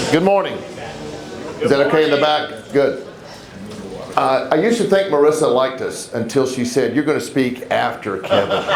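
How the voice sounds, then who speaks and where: A man with an American accent speaks at a moderate pace, fairly high-pitched and with lively intonation, leaving long, frequent pauses. Noticeable background noise and audible room echo fill the recording. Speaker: real estate broker. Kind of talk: conference talk. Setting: stage with audience.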